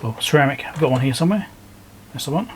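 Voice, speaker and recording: An animated, fast-talking man with a mid-range voice hosts an electronics repair walkthrough at an indoor workbench. He speaks informally, thinking aloud while he works. A little hiss or hum runs under the recording.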